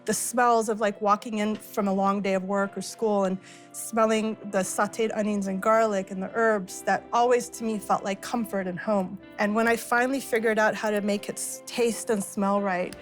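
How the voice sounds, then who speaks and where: A middle-aged woman with an American accent, explaining a dish and telling personal stories in an expressive way as a guest cook. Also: medium pitch, normal speed. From born in Iran, raised in Arizona, US. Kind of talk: cooking demonstration with personal storytelling. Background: music and frying sizzle.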